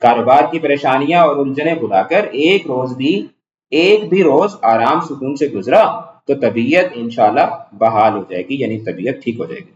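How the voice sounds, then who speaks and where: A man reading as a courteous calm doctor. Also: medium pitch, lightly acted. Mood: reassuring. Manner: reassuring, formal and courteous. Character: calm polite male family doctor. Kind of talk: reading a play aloud in class. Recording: echoey room, dull lo-fi sound.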